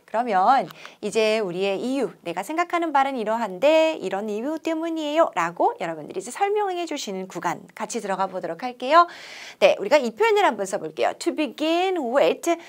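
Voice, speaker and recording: A young woman teaches English speaking in a lecture, and her high voice swings up and down with energy. She reads model sentences slowly and crisply, then asks her students to repeat after her. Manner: slow, over-enunciated English model phrases. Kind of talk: classroom lecture.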